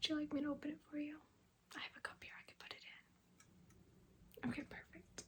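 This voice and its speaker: A woman whispers at a very fast pace, with long, frequent pauses. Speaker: ASMR creator. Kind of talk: ASMR roleplay personal attention. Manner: soft-spoken, friendly.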